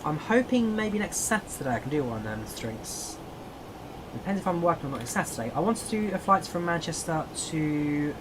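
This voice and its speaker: A man's voice: fairly high pitch, background noise. A man with an English accent giving casual live-stream commentary on a flight simulator, thinking aloud and answering chat viewers.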